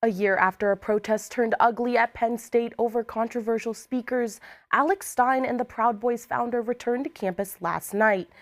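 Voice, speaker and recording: A woman anchoring a student news broadcast, reading from script clearly and evenly. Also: fairly high pitch, steady tone, normal speed.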